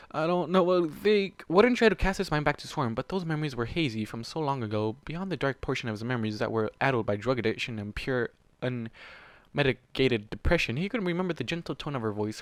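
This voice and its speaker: In a close, dry recording, a mid-pitched man who hosts a channel reads fan fiction aloud with dramatic narration. He's clearly invested in the story, breaking off into exasperated, casual, profane asides.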